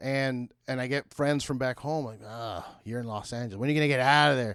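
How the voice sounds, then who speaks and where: Delivered at a fairly quick pace with fairly even intonation, this is an unremarkable speaking voice with an American accent. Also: man, medium pitch for a man. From New Jersey and Miami. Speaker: podcast host. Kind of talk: casual chat.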